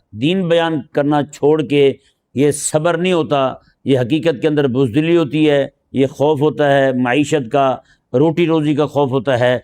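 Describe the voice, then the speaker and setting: Man preaching with a slightly high voice. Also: a little mellow. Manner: conversational preaching, asks listeners if they understood; acts out dialogues in anecdotes. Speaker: mufti preacher. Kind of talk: sermon lecture.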